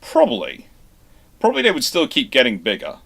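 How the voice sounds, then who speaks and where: A man's voice: mid-range voice, wildly swooping pitch, brisk, a bit bright, breathy edge. Casual man hosting a livestream discussion. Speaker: host of a naval history livestream. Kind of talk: casual chat answering listener questions.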